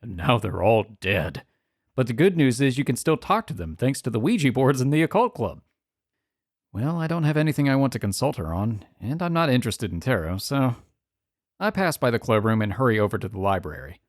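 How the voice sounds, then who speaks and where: A woman's voice: extremely low pitch, sing-song, a little fast, dry recording, studio quality. A woman reading visual novel text aloud as a let's player, slipping in casual, wry, joking asides.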